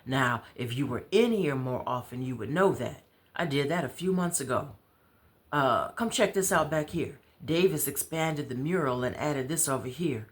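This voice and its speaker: A woman's voice: very deep voice, expressive, moderate pace. Woman as friendly shop-owner guy, casual banter, read-aloud story. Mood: teasing, chatty. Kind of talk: storybook dialogue reading.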